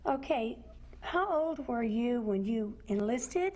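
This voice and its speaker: A woman's voice: on the high side, animated, takes it slowly, darkish tone. A middle-aged woman hosting a television interview, prompting her guest with simple, encouraging questions. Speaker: television show host. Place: indoor television studio.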